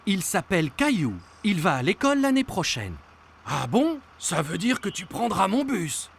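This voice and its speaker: An actor playing a friendly, encouraging man in a children's cartoon, talking gently and simply to a small child. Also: mid-range voice, very animated, normal speed, gravelly, a little hiss or hum.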